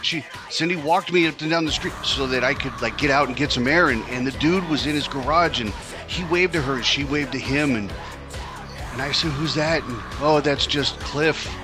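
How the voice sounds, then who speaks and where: A man's voice: a little high, normal speed, over music. A man hosting a podcast, telling a painful personal story in a raw, profane way, stumbling and restarting often. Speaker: podcast host.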